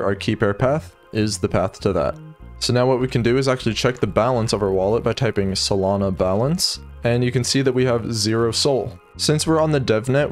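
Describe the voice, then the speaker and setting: A young man hosting a coding tutorial, walking through each step in a steady, plain manner, recorded on a desk mic in a small home studio. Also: medium pitch. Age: young adult. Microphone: seen studio desk mic on arm.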